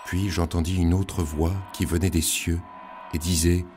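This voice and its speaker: An actor playing a biblical prophet of doom, reciting scripture in an ominous, declamatory, incantatory way for an audio drama. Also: male voice, sits low, little pitch movement, a little slow, a little mellow, soft background music. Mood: dark, ominous.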